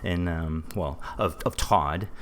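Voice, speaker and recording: A man's voice: sits low, takes it slowly, over a noisy crowd. A man from a podcast team chatting casually in a group interview, rephrasing as he goes.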